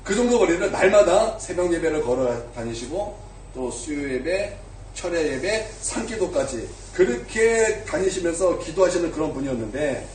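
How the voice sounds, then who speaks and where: A man's voice: fairly high pitch, darkish tone, slight background noise. A male pastor preaching a sermon, telling a story and acting out the voices of the people in it, sometimes asking the congregation questions. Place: church sanctuary. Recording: echoey church hall, mic at a distance.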